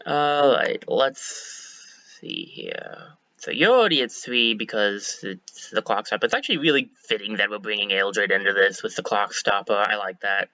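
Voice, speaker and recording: Bright, chatty game-streaming man. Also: fairly low pitch, moderate pace, dry recording, muffled recording. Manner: chatty, self-correcting, thinks aloud. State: a bit hoarse. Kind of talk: casual let's-play commentary.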